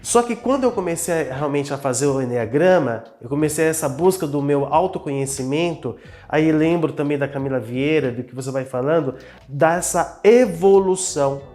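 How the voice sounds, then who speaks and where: His voice is fairly high and a little mellow, marked by a Brazilian Portuguese accent. A business owner in casual conversation, he tells earnest, self-reflective stories drawn from his own life.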